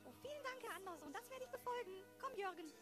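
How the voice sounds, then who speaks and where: A woman acts a polite, gushing housewife in an audio play. Her voice is extremely high and she talks fast. Music plays behind her. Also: expressive. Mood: grateful, polite. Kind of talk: improvised audio drama acting.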